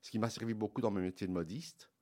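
A middle-aged man from Belgium, an interview guest who talks about his craft in an animated way and often repeats words. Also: fairly low pitch, fast talker. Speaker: milliner guest. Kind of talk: interview answers.

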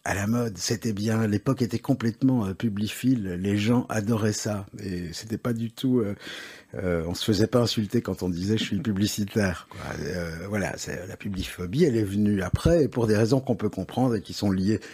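A man's voice: fairly low pitch, brisk, mellow, husky. A middle-aged man with an old Parisian accent, answering interview questions about his ad agency, hesitant with many fillers and wry self-mockery. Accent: Parisian French. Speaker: advertising agency founder, interview guest.

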